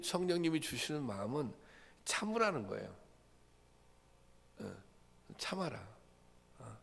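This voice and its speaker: A man's voice: mid-range voice, vocal fry, slightly rough. A man preaching a sermon at a dawn prayer service, earnest and repetitive, building to emphatic peaks. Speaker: pastor. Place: church sanctuary. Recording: long hall reverb.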